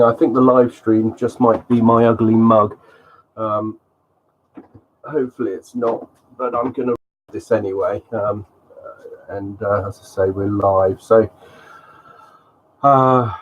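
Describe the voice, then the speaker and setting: Man, head cold, sniffly, slow-talking, full of ums, casual live stream commentary. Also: fairly low pitch, steady tone, lo-fi sound, slight background noise. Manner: rambling, many ums and restarts.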